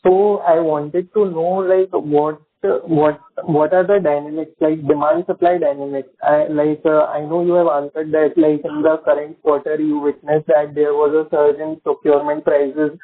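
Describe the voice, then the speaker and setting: Guy analyst calling in, flat delivery, thin phone sound. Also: a little high, moderate pace, hardly any pauses. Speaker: caller, investment analyst. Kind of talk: questioning on an earnings call. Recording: tinny narrow phone line.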